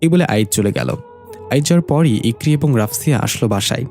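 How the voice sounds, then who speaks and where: A man narrates a dramatic story in a mellow, warm voice. His reading is even and steady, and he voices every character himself. Soft music plays faintly underneath. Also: mid-range voice, brisk, creaky. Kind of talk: scripted narration. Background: faint background music.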